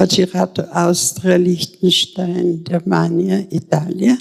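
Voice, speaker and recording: A woman with a fairly low pitch talks at a fairly slow pace. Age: 80s+. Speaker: audience member asking a question; reflexologist and massage therapist. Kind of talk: audience question at a conference.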